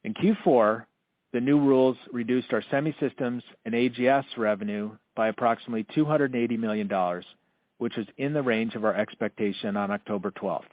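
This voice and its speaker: A man delivers a prepared financial presentation over a narrow, phone-like conference line. His mid-pitched voice is formal and measured, in the manner of a corporate executive. The sound is dry, with no room around it. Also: no echo. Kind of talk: scripted earnings call presentation. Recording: narrow, dull conference-call audio.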